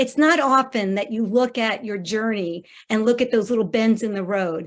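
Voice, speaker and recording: A woman with an American accent has an ordinary speaking voice, fairly high in pitch. She speaks at a moderate pace with ordinary pitch variation. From New York, Staten Island. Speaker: memoir writing participant. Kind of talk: casual talk at book launch. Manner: informal, with fillers.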